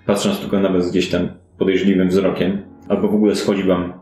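A man's voice: low voice, level tone, fairly quick, mellow, slight background noise. A man improvising narration as game master of a fantasy tabletop game. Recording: roomy, background music. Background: music.

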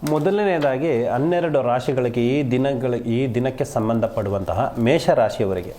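A man speaking as an astrologer on a live call-in show, calm and reassuring, drawing out important phrases slowly. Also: medium pitch, slight background noise.

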